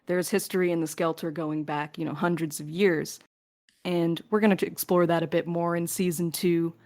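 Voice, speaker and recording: A woman's voice: fairly low pitch, steady tone, normal speed, a little mellow. A woman co-hosting a podcast, casually answering listener questions in a joking, casually sweary way. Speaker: podcast host and crew member.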